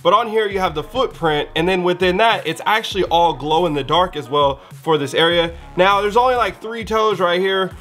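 A man's voice: sits high, normal speed, few pauses, fairly bright tone, faint music behind. A young man with a stuffy, nasal voice from a cold, hosting a laid-back, slangy sneaker review. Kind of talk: casual product review. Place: indoor studio with shoe shelves.

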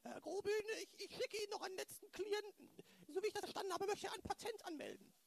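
Man doing a high-voiced, fussy lawyer. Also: gravelly. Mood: courteous, amazed. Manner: halting, repeats himself. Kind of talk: improvised comic audio drama.

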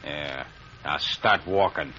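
A tough, threatening robber in a vintage radio mystery. The voice is very low and forceful, giving curt orders. The sound is muffled, like an old broadcast. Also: male voice, takes it slowly, full character voice. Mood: menacing. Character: menacing, tough male armed car thief. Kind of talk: 1940s radio acting. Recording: muffled old radio recording, faint noise.

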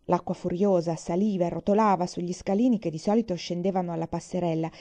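A woman narrating a storybook aloud in an expressive, vivid reading. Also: on the low side, fast.

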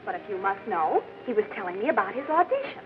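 An actress playing a poised young studio receptionist, kind but tart, with an American accent in 1940s Hollywood film style. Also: female voice, medium pitch, very animated, fast, lightly acted. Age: young adult. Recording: dull old film soundtrack, faint music.

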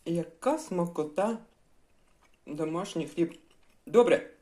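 Slow and animated, an older woman with a dark, lowish voice chats while she cooks and tastes food at home. She's a home cooking vlogger handing out homely advice to her audience.

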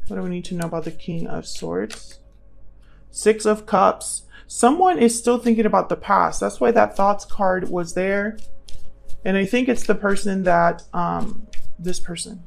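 A woman giving a casual tarot reading, thinking aloud and speaking straight to the listener in a conversational way, with gravelly vocal fry. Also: medium pitch, measured pace. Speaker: tarot reader, channel host.

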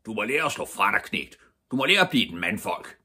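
A hot-tempered father bellows and barks, his voice pushed well above the reader's own low register, as an older man reads him aloud. There is a husky, breathy grain under the shouting. It is a storybook character with a short fuse. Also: big pitch swings, heavily acted. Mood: angry shouting. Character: loud blustering middle-aged father, short-tempered.

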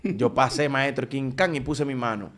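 A man, a preacher giving his testimony in an animated conversational way, often restarting his sentences. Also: mid-range voice, moderate pace. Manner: animated storytelling with frequent restarts.

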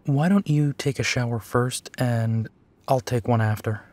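A man's voice: mid-range voice, unhurried, a little mellow, natural voice. A man playing a tired, teasing werewolf detective in an intimate audio roleplay. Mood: relaxed tired.

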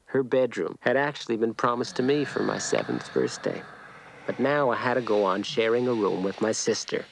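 A man's voice: medium pitch, expressive, normal speed, gravelly, a little hiss or hum, poor audio. A man narrating a scripted first-person story about his childhood.

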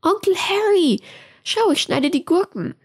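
A woman doing a chirpy, high little girl. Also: animated, measured pace, exaggerated voice. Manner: eager, chirpy child's voice. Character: little girl, cheerful and giggly.

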